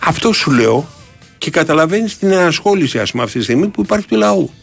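Man, husky voice, wry chatty storyteller, sports radio co-host, studio. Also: fairly high pitch, expressive, faint music behind. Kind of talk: casual radio sports chat, anecdote telling.

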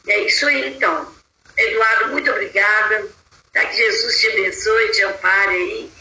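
A woman hosting an online group in a chatty, affectionate way, full of drawn-out fillers, over a video call. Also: medium pitch, pushed and bright, echoey room, low-quality recording. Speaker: group host.

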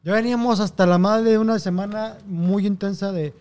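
A man with a Mexican accent telling a travel anecdote in a relaxed, joking podcast chat. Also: high-pitched, fairly quick, clear, resonant tone. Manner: laid-back anecdotal storytelling. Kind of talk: casual comedy chat.

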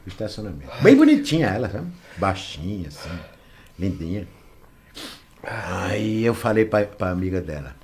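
A man's voice: sits low, big pitch swings, normal speed, darkish tone. A man telling crude stories on a casual podcast, boisterous and acting out every line of dialogue. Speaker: guest storyteller.

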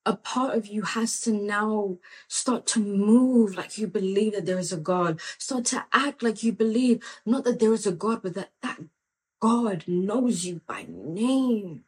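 A woman's voice: mid-range voice, a little slow, poor audio. A woman giving a casual, earnest faith talk as a Christian mentor, telling a personal story with lots of "like" and "come on". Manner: earnest and animated, full of "like" and "come on".

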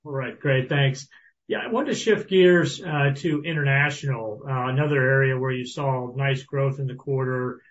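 A man's voice: medium pitch, moderate pace. A man speaking as an analyst, putting conversational questions to company executives on an earnings call. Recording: dull, lo-fi conference-call audio.

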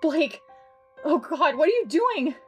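A woman's voice: sits high, very animated, slow, darkish tone, faint music behind, exaggerated voice. A woman playing a fearful, pleading librarian in a noir audio drama. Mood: panicked.

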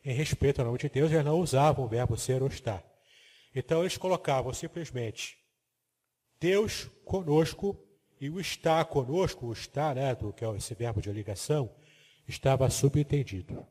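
A man's voice: mid-range voice, normal speed, darkish tone, husky, long reverb tail. A man teaching the Bible from slides, explaining terms step by step and checking that the listener follows. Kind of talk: biblical teaching lecture with slides.

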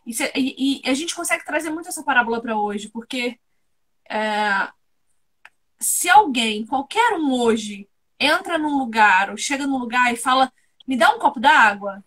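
A woman's voice: sits high, animated, unhurried, a bit bright. A woman, co-hosting a casual devotional chat and explaining scripture in a thoughtful way. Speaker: co-host of a Bible discussion.

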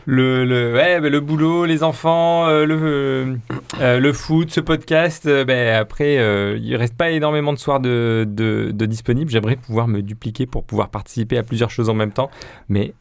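A man's voice: medium pitch, normal speed, vocal fry, clear, resonant tone. A man presenting a casual radio chronicle, jokey and self-mocking with frequent laughs, into a studio microphone. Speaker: podcast columnist.

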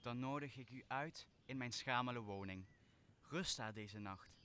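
A man playing a solemn, commanding exiled magician in a Shakespearean radio play, speaking in a measured way. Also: mid-range voice, pushed and bright, a little hiss or hum. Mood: gracious. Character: commanding exiled magician, stern yet forgiving master. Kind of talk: stage-like Shakespearean radio drama.

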